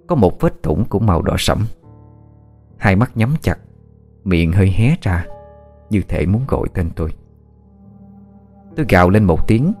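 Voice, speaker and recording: A man reading a scripted horror story in a steady, somber way. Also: low voice.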